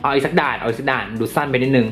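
A man reviewing tech gear, giving casual, excitable gameplay commentary to viewers in an air-conditioned room. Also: mid-range voice, very fast. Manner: excitable, exclaiming often while playing. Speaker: tech reviewer testing phone games. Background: game music.

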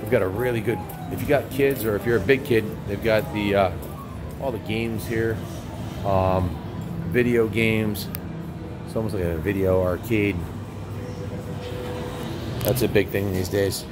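An older man narrates a casual walking tour of an indoor restaurant and bar, chatting and pointing things out as he films on a handheld phone like a vlogger. His voice sits on the low side with fairly even intonation, and he speaks at a measured pace with long pauses. Music plays underneath.

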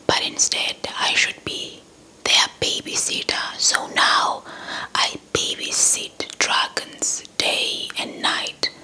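A woman's voice: pushed and bright, poor audio. A woman whispering the part of a tired, kindly old village woman in an ASMR folktale.

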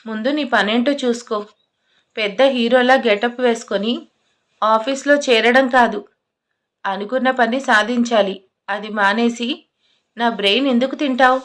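A woman's voice: on the high side, fairly even intonation, normal speed, long pauses, a bit bright, lightly acted. A woman voicing a young female college student who answers back, defensive and mocking. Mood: defiant.

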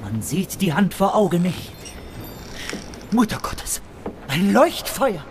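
A man's voice: high voice, big pitch swings, slow pace, noisy background, pitched above the performer's own voice, heavily acted. A man voicing a superstitious, frightened ship's helmsman with a dramatic, alarmed delivery in an audio play.

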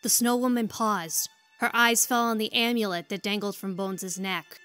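A woman's voice: mid-range voice, steady tone, moderate pace, a bit bright, clear, resonant tone, no room sound, soft background music. A woman narrating a scripted story as the narrator of an audio drama.

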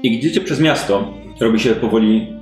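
A man's voice: medium pitch, a little fast, faint music behind. A man running a tabletop role-playing game, improvising descriptive narration in a conversational way. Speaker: game master. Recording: roomy, echoey indoor recording.

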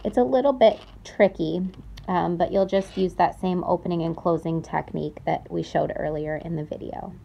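Presenting a step-by-step craft demonstration, a young woman speaks at normal speed in a lowish, mellow voice with vocal fry and fairly even intonation. She explains each step carefully and repeats key words for emphasis. The recording lacks high frequencies and has a little hiss or hum.

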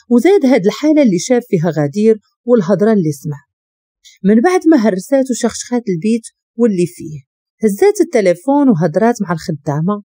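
A woman with a Moroccan accent narrating a dramatic story in an expressive, scripted way. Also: mid-range voice, no echo, studio quality.

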